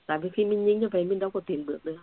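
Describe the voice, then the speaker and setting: Heard over a tinny, phone-like line, a woman gives an earnest faith testimony to fellow believers, repeating herself somewhat and growing emotional at times. She is a church member with a mid-range voice who races along, and the recording is dry.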